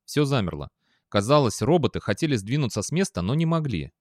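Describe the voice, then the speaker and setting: A man narrating a science fiction audiobook in an expressive manner. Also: mid-range voice, brisk, no echo, clean studio sound. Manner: expressive, with a lively tone. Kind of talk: scripted narration.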